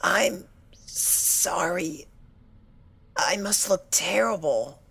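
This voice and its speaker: A woman voicing a timid, anxious, sickly young female pony, soft-spoken and hesitant, in an audio storybook reading. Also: fairly low pitch, exaggerated voice. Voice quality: breathy, husky whisper-prone voice. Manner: hesitant, halting, apologetic.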